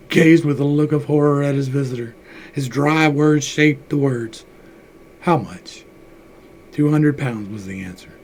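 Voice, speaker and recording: A man reading a horror story aloud in a measured, somber narration. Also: on the high side, a little mellow. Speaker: story reader.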